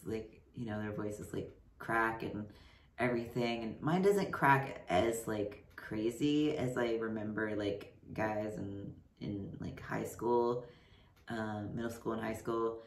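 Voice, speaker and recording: A man in his thirties chatting casually to his camera, rambling with lots of "like" and "you know", his voice deepening mid-transition. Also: slight background noise. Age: 30s. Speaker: vlogger. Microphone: camera mic. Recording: roomy echo, voice somewhat far from mic.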